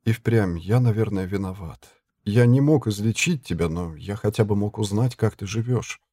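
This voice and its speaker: A weary wandering herbalist talks in a firm, sceptical way, as a male reader plays him. His voice is mellow and dark, and the sound is dry and close. He is a storybook figure, not a young one. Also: on the low side, moderate pace, dry recording, lightly acted. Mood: stern.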